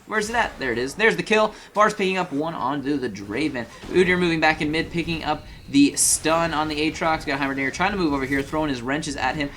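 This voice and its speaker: A man giving casual, chatty commentary over game footage, full of fillers and apologetic asides, with bursts of fast, excited play-by-play. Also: fairly high pitch, a little hiss or hum.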